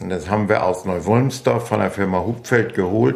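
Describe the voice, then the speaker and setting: A man's somewhat breathy voice, fairly low in pitch, with ordinary pitch variation. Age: 70s. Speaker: eyewitness interviewee. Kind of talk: interview.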